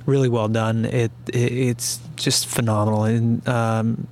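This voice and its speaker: A man's voice: mid-range voice, little pitch movement, a little slow, a little mellow, a little hiss or hum. A man guest-hosting a radio show, chatting casually about music with many fillers and restarts. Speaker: radio guest host, band member.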